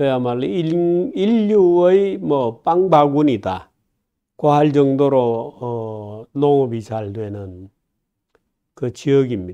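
Very slowly, a man speaks in a fairly high pitch with a dark, mellow tone and very wide pitch swings. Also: quiet background. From South Korea. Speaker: journalist and commentator; journalist, commentator. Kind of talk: film commentary monologue. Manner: hesitant, many fillers. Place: studio. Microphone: lapel.

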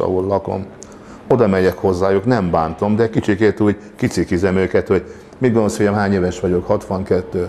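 An unremarkable speaking voice, a man's, fairly low in pitch and fairly slow, over light background noise. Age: 60s. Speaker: strongman and former athlete; interviewee. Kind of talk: interview. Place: cafe. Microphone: lapel.

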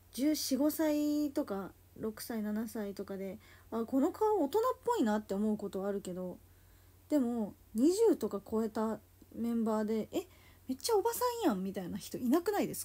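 Sounding animated, a woman with a fairly high voice speaks at a moderate pace with lively intonation. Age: 20s. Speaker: idol livestreamer. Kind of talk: casual chat. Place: home room. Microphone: phone near.

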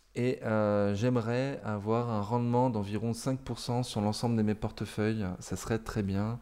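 On a very clean recording with a silent background, a man speaks at a medium pitch in a dark, mellow, flat monotone with very even loudness. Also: fairly slow pace. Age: 40s. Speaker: amateur stock market youtuber. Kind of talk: personal video monologue. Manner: hesitant, many filler sounds.

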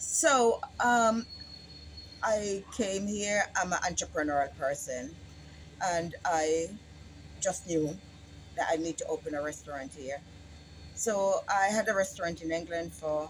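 A woman talks at a fairly slow pace and a fairly low pitch, her voice somewhat breathy. Her intonation is lively, with light background noise behind her. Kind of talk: interview answer. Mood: friendly, smiling. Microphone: camera far.

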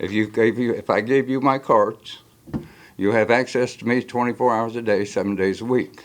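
At a medium pitch and moderate pace, a man's intonation stays fairly even in an unremarkable speaking voice. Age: 60s. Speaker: resident giving public comment. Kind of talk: public comment at council meeting. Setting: city council meeting.

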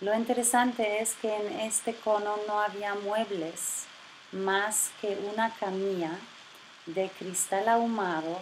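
A woman talks at a very slow pace with fairly even intonation. Light background noise can be heard. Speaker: spiritual storyteller. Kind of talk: casual vlog narration. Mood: calm, warm, smiling. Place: home room.

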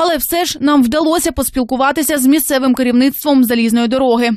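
At a fairly quick pace, the delivery keeps fairly even intonation. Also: woman. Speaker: TV news reporter. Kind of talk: news reading.

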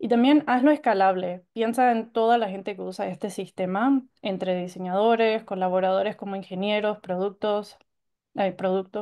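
A woman speaks in a dark, mellow tone with ordinary pitch variation against a quiet background. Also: medium pitch for a woman, moderate pace. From Paraguay. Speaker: product designer. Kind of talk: webinar presentation. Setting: online webinar.

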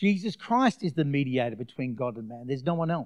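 It is a man speaking. The background is quiet. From Western Australia. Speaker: pastor. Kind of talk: sermon delivered to a congregation. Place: church. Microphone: handheld.

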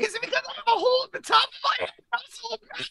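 Loud and extremely high in pitch, this is a put-on character voice. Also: fairly quick pace. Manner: loud, overwhelming character voice.

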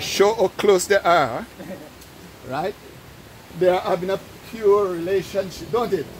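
With a Jamaican accent, a man with a high voice speaks at a fairly slow pace with long, frequent pauses, his pitch varying in an ordinary way over light background noise. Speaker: church elder; guest. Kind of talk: prayer. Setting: birthday party gathering. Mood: warm, joking, celebratory. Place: garden. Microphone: phone near.

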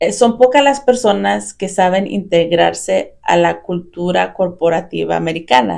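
The speaker moves at a fairly slow pace with hardly any pauses. The background is quiet. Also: woman. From US Midwest, Kansas City. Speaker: podcast host. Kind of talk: interview. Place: studio. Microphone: studio mic.

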